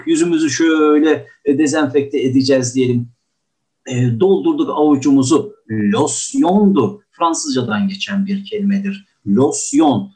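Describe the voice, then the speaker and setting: A man's voice: mid-range voice, darkish tone. An older man giving a diction lesson in a courtly manner, often saying "efendim" and acting out example words in exaggerated tones. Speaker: diction teacher. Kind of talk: lecture on pronunciation.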